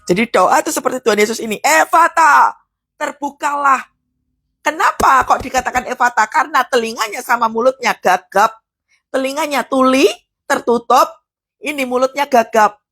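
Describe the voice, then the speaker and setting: A woman's voice: high voice, expressive, brisk, a bit bright, breathy edge. A woman preacher, giving a live devotional sermon and telling stories to her listeners, whom she often calls brothers and sisters.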